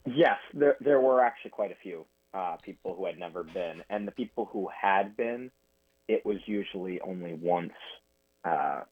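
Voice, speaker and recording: A man's voice: sits low, lively intonation, normal speed, dry recording. A young man answering interview questions over a phone line, earnest and plain-spoken. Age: young adult. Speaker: guest.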